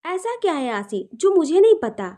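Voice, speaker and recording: A woman voicing a caring young female friend who gently presses with earnest questions. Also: extremely high pitch, big pitch swings, normal speed, pitched above the performer's own voice. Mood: insistent. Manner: probing, coaxing, earnest.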